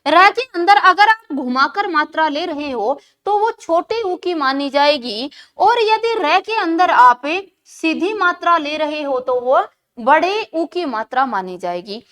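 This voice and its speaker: A woman tutor teaching an exam-prep lesson, her high voice rising and falling a lot. She keeps posing questions and answering them herself, and repeats key words to drive them home. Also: animated, slow pace, fairly bright tone.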